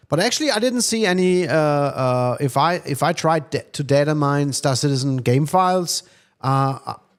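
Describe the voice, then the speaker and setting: At a moderate pace, a man with a German accent speaks at a fairly high pitch. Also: ordinary pitch variation. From East Germany. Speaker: gaming streamer. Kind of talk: casual chat. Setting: live stream. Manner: halting.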